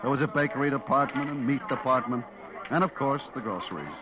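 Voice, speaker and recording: A man's voice: mid-range voice, fast, a crowd in the background, lightly acted. An actor playing a brash, lovestruck young American supermarket clerk, telling his story confidingly in slangy radio suspense style. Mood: confiding, wry. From eastern United States. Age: young adult. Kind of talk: 1950s radio suspense acting, first-person narration. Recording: dull vintage radio recording with music.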